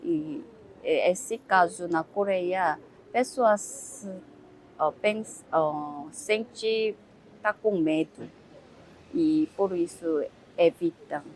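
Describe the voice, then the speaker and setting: Korean-accented woman in her 30s, interviewee, very slow and halting, low-ish voice. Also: a little mellow, a little hiss or hum, low-quality recording. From South Korea. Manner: halting, searching for words with many "ó" fillers. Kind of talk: casual interview answers.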